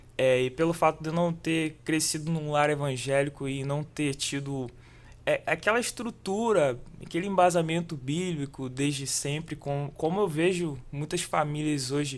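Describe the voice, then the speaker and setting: A man with an unremarkable speaking voice talks at a moderate pace. His pitch is fairly high, with ordinary pitch variation. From Brazil, Macaé (Rio de Janeiro state). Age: 20s. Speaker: worship leader. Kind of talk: podcast interview, testimony.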